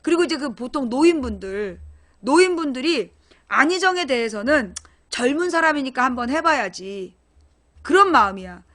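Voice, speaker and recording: On her live political stream, a woman with a high, fairly bright voice talks at a normal speed with lively intonation. She's casual and blunt, hammers home her arguments, and keeps calling on chat viewers to respond.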